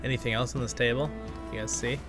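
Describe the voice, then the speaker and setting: A man gives casual, enthusiastic commentary as he plays a game for his channel. He chats to viewers and thinks aloud, in a middle-pitched voice. Music plays clearly behind him throughout. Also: fairly even intonation, quick pace. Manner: enthusiastic, chatty, thinking aloud while playing. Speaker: host of a gaming channel.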